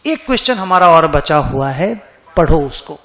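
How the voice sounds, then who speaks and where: A man's voice: a little high, big pitch swings, normal speed, a bit bright. A man teaching an accounting class in a conversational way, often stopping to ask his students whether they follow. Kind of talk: classroom lecture. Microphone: online class recording.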